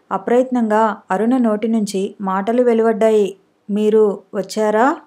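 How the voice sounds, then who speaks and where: A woman narrating a novel in a measured, even storytelling manner for an audiobook. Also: medium pitch. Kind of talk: scripted narration.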